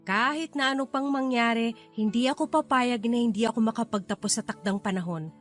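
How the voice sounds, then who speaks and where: An earnest young Filipino daughter and working student , played by a woman in a radio drama. Her voice sits high and sincere, with soft music underneath. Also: brisk, natural voice. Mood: earnest, reassuring. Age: young adult.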